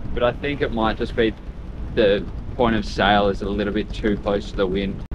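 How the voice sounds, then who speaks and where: A man's dry, echo-free voice moves at a moderate pace, with noticeable noise behind it. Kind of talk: casual vlog commentary. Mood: frustrated but calm. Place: boat. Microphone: phone near.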